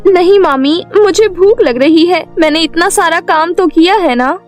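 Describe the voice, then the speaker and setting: A kind young orphan maid speaks gently and pleadingly in a cartoon story, voiced by a woman. Her voice is very high and soft. Faint music plays underneath. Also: moderate pace.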